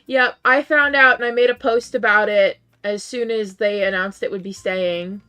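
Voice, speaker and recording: A slightly hoarse woman streamer, losing her voice a little, chatting casually with her viewers, laughing often and filling pauses with "um". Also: mid-range voice, pushed and bright. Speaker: game streamer. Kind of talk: casual live-stream chat.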